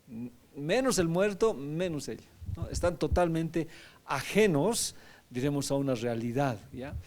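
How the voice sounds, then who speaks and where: A man's voice: a little high, lively intonation, unhurried, a little mellow. A man, a pastor, teaching a Bible lesson in a conversational sermon, often asking his listeners questions and adding tag questions.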